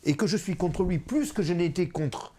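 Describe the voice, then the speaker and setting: A man's voice: high voice, animated, normal speed, warm tone. A man in his fifties, an author, speaking emphatically in an interview discussion, often repeating himself and hesitating. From France. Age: 50s. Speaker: author and guest.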